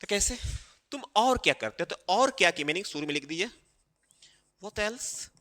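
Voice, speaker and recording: Male grammar teacher, high lively voice, repeats himself a lot, echoey room with long reverb. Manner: explains slowly, repeating phrases with many fillers. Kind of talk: Hindi-language grammar lesson while writing on a board.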